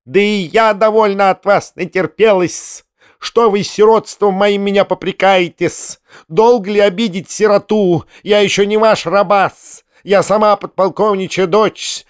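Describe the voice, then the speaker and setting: A man doing a shrill spiteful hanger-on woman. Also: steady tone, unhurried, clean tone, no room sound, clean studio sound. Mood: indignant. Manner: shrill, indignant, clipped.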